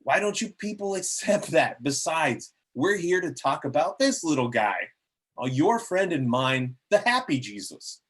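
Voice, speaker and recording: A man playing a glib Catholic cardinal in an amateur script reading, speechifying like a salesman with a husky voice. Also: on the high side, big pitch swings, measured pace, a bit bright, full character voice. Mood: exasperated, insistent. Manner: salesmanlike, oratorical. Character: smooth, glib Catholic cardinal pitching a church rebrand.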